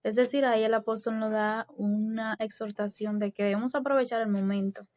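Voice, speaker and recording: A woman's voice: fairly high pitch, steady tone, a little fast, a little mellow, dry recording, studio quality. A woman from the Dominican Republic with a Dominican Spanish accent, a co-host on a Christian podcast who speaks in a composed, earnest way. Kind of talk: casual Christian podcast chat.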